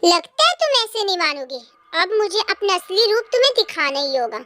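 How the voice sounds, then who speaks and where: A performer with a high young voice plays an obsessive young man in a fan audio drama, with a creepy sing-song sweetness that drops to low threats. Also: big pitch swings, a little fast, bright, forceful tone, slight background noise, full character voice. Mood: menacing. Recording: music bed under the voice.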